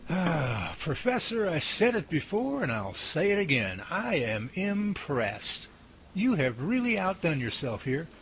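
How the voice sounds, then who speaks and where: A man's voice: a little high, huge pitch swings, measured pace, noisy background, exaggerated voice. A man playing an earnest, easily flustered team leader who talks in exclamations in an amateur radio drama. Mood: impressed.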